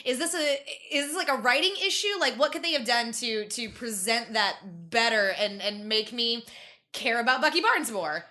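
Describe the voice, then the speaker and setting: A woman's voice: fairly high pitch, animated, moderate pace, pushed and bright. A woman co-hosting a podcast, chatting casually in an emphatic, enthusiastic and conversational way. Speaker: podcast co-host. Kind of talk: casual chat.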